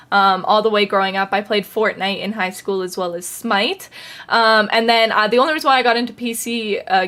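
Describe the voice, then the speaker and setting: A woman's voice: medium pitch, fairly bright tone. A woman in her early twenties, a podcast guest telling stories in a giggly, rambling way. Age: 20s. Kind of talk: casual chat.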